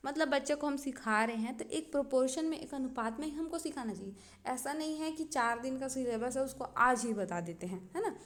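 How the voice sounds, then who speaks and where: A woman teacher with a Chhattisgarh accent gives an exam-prep lecture in a fairly high voice. She explains patiently, step by step, and keeps checking that her class is following. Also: fairly bright tone. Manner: explains slowly, often checks with "है ना" and "ठीक है".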